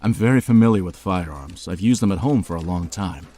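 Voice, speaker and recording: A man plays a cocky American soldier in his late twenties for a radio play. The voice is low and mellow, with dark edges. He keeps to respectful military address while letting street-tough, dry bravado show through. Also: brisk. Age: 20s. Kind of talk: audio drama acting.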